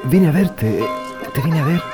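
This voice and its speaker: A man's voice: fairly high pitch, lively intonation, normal speed, natural voice. An earnest young man, played by a man, talks hesitantly and stumbles over fillers, though he stays hopeful. Music runs under this community radio play. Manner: hesitant, with many stammered fillers. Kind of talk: radio drama acting.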